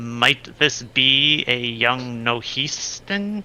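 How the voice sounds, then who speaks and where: A man drags out his words very slowly in a put-on character voice. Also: medium pitch for a man. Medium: actual play. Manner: courteous, deferential.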